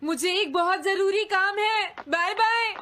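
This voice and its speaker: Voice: very high voice, unhurried, slight background noise, heavily acted. An actor voicing an anxious, hapless schoolboy with a childlike, whiny voice in a comedy cartoon. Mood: defensive, hurried. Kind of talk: dubbed cartoon acting. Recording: loud music behind the voice.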